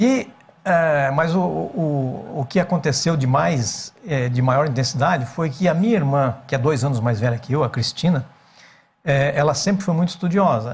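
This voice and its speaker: The loudness stays very even while the intonation is lively and the pace moderate. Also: man, fairly high pitch for a man. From Brazil, Paraná (Cruzeiro do Oeste); Paraná, Brazil. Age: 60s. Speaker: retired agronomist; interview guest. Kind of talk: interview. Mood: relaxed, reminiscing. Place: studio. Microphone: lapel.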